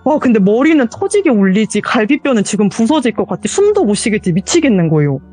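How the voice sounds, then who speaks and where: A woman's voice: on the high side, big pitch swings, fast talker, mellow. A young woman telling her own ghost story as a caller on an interview show, earnest and quoting others in acted lines. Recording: voice call with faint music behind.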